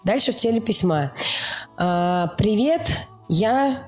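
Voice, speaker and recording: A woman's voice: medium pitch, lively intonation, slow pace, a little mellow, soft background music. A woman speaking as an interview guest, explaining things in an informal, emphatic way with mock quotes to illustrate. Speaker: animation studio production executive, interview guest. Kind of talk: explanatory interview talk with acted-out examples.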